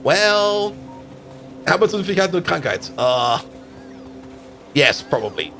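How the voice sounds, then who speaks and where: A man's voice: on the high side, very animated, unhurried, bright, forceful tone, soft background music. A man from Germany whose first language is Dutch, chatting casually on a live gaming stream and laughing often between remarks. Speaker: game streamer.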